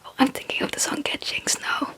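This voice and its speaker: Speaking a little fast with a pushed, bright quality, a young non-native English speaker whispers her way through a meandering ASMR chat. She makes ASMR videos and tends to sound hesitant and self-deprecating.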